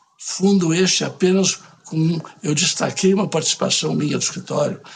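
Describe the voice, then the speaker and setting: A man's high-pitched voice, with ordinary pitch variation, is heard over noticeable background noise. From Brazil, Santos (São Paulo coast). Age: 80s+. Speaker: lawyer, law firm founder. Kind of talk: interview. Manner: formal.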